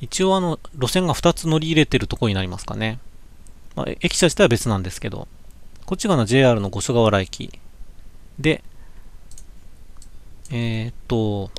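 A man chatting casually through a slideshow of his cycling trip, musing aloud, correcting himself and reading signs with many small fillers. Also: mid-range voice. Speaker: cycling vlogger looking back on a trip. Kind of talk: casual slideshow commentary for a live stream. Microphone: webcam.

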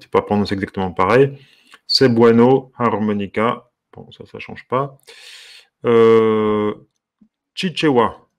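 A man, a harmonica teacher, giving casual commentary as he browses, curious and amused, musing aloud with soft exclamations. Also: on the low side.

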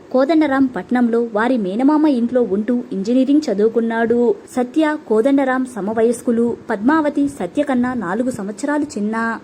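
A woman narrating an audiobook story in a calm, measured way. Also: on the high side, a little hiss or hum.

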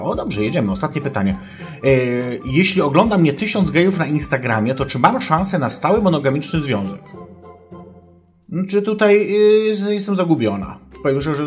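Man as crude, self-important female sex doctor; mock-academic advice monologue, formal and foul-mouthed, mid-pitched. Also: big pitch swings, a little fast, soft background music, natural voice. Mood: indignant. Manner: mock-scholarly lecturing, keeps addressing the audience formally, swears. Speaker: advice-show host. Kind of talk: comic character monologue.

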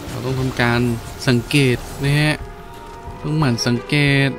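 Male gaming host, mid-pitched, playful and exclamatory, casual play-by-play with loud game music behind. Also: fairly even intonation, normal speed. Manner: playful, exclamatory, voices his own sound effects. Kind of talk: casual let's-play commentary.

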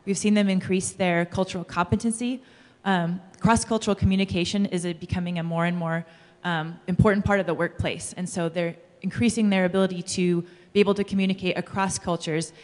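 A woman high school Spanish teacher giving an earnest conference talk into a handheld mic on stage. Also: steady tone, fairly quick. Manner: earnest, explanatory, uses fillers. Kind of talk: conference presentation. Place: large school hall, on stage. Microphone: handheld microphone. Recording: long reverb of a large hall.

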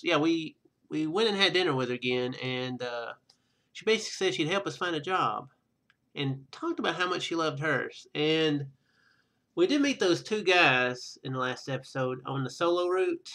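Bright, animated man doing casual game commentary. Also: fairly high pitch. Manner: rambling, joking. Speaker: let's play host.

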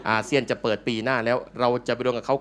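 A man's voice: mid-range voice, little pitch movement, fast talker, a bit bright. Joking male monk giving a dharma talk. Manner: joking, playful, teasing the audience. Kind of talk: humorous dharma talk to an audience. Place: large meeting hall with live audience.

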